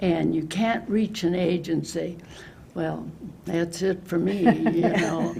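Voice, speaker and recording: A woman talks at a very slow pace, with noticeable noise in the background. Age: 80s+. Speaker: author. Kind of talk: interview answer.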